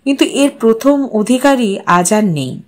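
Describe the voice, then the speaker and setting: A woman reading a literary story aloud as an expressive narrator. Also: fairly high pitch, unhurried.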